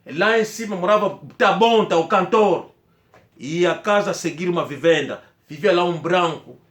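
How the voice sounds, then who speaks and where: Angolan man whose first language is Kikongo, slightly high voice, halting vlog storytelling, echoey room. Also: fairly bright tone. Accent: Angolan Portuguese. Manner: rambling, halting, with frequent restarts. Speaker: vlogger. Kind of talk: personal storytelling to camera.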